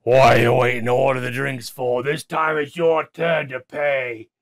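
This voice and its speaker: A man voicing rowdy drinking companions in a storybook, loudly jeering and goading. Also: mid-range voice, little pitch movement, normal speed, pitched above the performer's own voice, natural voice. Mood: impatient goading. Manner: loud, jeering, calling out. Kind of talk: dramatic storybook character voice.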